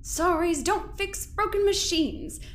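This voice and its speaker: A woman's voice: very high voice, lively intonation, takes it slowly, slight background noise, full character voice. A woman playing a cold, imperious scientist in an audio drama, clipped, formal and impatient.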